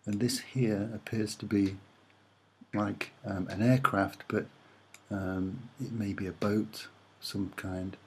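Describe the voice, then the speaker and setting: A soft-spoken man talks at a very unhurried pace, feeling his way through what he sees in an image. His voice sits fairly low, and his delivery is hesitant and musing. Some background noise runs under the recording. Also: fairly even intonation. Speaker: amateur presenter of image analysis.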